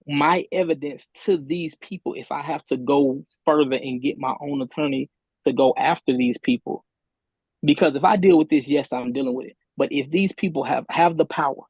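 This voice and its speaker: A man's voice: medium pitch, slightly rough, no room sound. A man speaking as a defendant in a remote court hearing over buzzy, glitchy call audio, stammering and repeating words as he presses his point. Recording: dull, dry call line.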